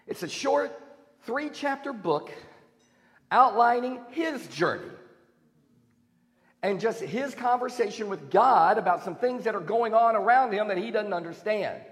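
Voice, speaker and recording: A male pastor preaching in a loose, conversational way, with self-deprecating asides. His voice sits high for a man. It rings out with a long reverb in a church sanctuary. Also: expressive, a little slow. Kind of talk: sermon.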